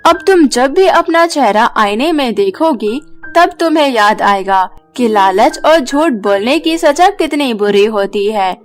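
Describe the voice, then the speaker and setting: Woman voicing a stern, high-voiced magical fairy. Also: animated, unhurried, soft background music. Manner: solemn, admonishing. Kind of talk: Hindi cartoon moral story acting.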